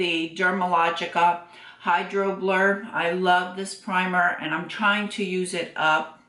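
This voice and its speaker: The voice moves at a very slow pace with fairly even intonation. Noticeable background noise sits behind it. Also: woman. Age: 60s. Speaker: beauty vlogger. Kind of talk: makeup tutorial. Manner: casual, halting with repetitions.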